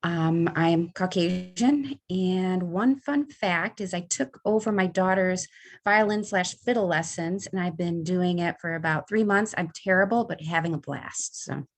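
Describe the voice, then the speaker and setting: A woman's voice: fairly low pitch, a little slow. A woman introducing herself on a video call in a light, self-deprecating way.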